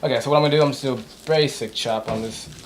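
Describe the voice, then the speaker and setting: Noticeable background noise sits under this man's voice. His pitch varies in an ordinary way. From US Midwest, Minnesota. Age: 20s. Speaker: home cook. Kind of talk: cooking tutorial. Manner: casual, conversational.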